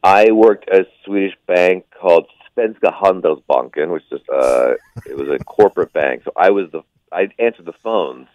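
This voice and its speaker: A man's voice: sits low, moderate pace, few pauses, a little mellow, no room sound, muffled recording. A male stand-up comedian guest on a radio show, telling rambling stories with dry, self-deprecating asides. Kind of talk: casual radio interview.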